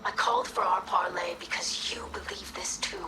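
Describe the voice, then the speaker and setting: A woman playing an earnest young alien scribe in a video game, speaking solemnly and formally in a breathy, creaky rasp. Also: lowish voice, huge pitch swings, normal speed, whispered. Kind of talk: video game character acting. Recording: echoing voice with music behind.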